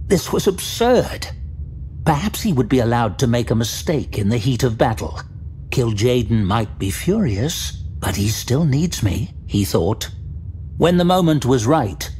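A man's voice: mid-range voice, a little mellow, a little hiss or hum. A man giving a dramatic scripted narration of a fantasy story. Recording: music behind the narration.

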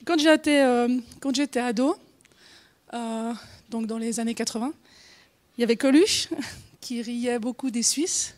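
Giving a casual conference presentation, this Swiss woman in her forties, whose accent is Genevan French, sounds hesitant, restarting sentences, using lots of fillers and laughing often. She speaks at a measured pace with frequent pauses, in a slightly high, somewhat mellow voice.

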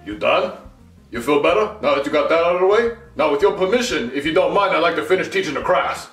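A man's voice: fairly high pitch, expressive, fast talker, a bit bright, roomy sound, faint music behind. A man voicing an irritable male schoolteacher puppet in a comic show, lecturing with sarcastic, scolding emphasis. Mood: irritated, lecturing.

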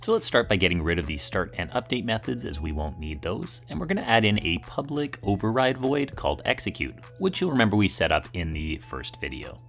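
Man, tutorial presenter, animated intonation, gravelly creak, step-by-step explanatory delivery. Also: lowish voice, a little fast, hardly any pauses, faint music behind. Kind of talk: scripted instructional screencast narration.

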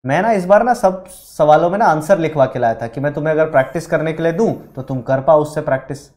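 A man teaching a live chemistry class, animated and constantly quizzing his students. His voice sits a bit high for a man, and the room gives it a roomy echo. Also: quick pace. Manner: animated, quizzing students, mixes Hindi with English terms. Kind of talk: live online lecture. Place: studio classroom.

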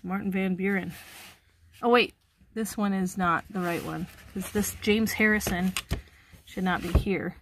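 Middle-aged woman, host of an unboxing vlog. Chatty, narrates items as she goes. Tabletop camera in a workroom, with clear background noise. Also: medium pitch. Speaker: host of a resale channel. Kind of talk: casual unboxing chat. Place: indoor workroom with tables and boxes.

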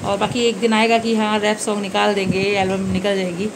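A woman in her thirties with a hoarse voice, chatting casually to viewers in a home vlog, holding a phone camera at arm's length. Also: mid-range voice, level tone, fairly quick. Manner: chatty, addresses viewers directly. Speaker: vlogger. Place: small room at home, indoors. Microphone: phone camera held at arm's length. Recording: noisy home phone recording.

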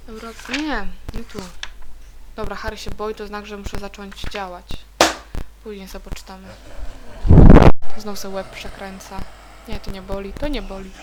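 A woman chatting casually and giggling as she plays through a video game, now and then letting out shrill shrieks. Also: flat delivery, moderate pace, pauses often, heavy background noise. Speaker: let's play gamer. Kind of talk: casual gameplay commentary.

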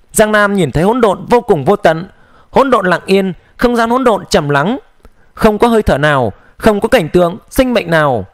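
A man narrating a fantasy audiobook in a steady, measured storytelling voice, close to the mic. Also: high voice, no room sound.

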